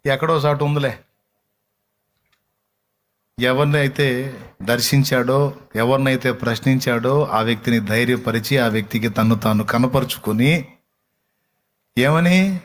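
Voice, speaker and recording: Male pastor, passionate sermon delivery, medium pitch. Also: a little slow, long pauses. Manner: impassioned, rising to near-shouting in exhortation.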